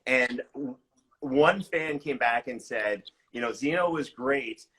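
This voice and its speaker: A man's voice: medium pitch, takes it slowly, sharp tone, low-quality recording. A man hosting a podcast interview in casual chat, enthusiastic and complimentary toward the guest.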